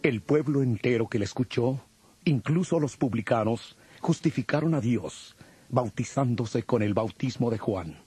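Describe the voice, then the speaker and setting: A man with a husky voice giving solemn scripted narration for a dramatized audio Bible. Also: medium pitch, animated, measured pace, warm tone, dry recording, faint music behind. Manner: solemn storytelling.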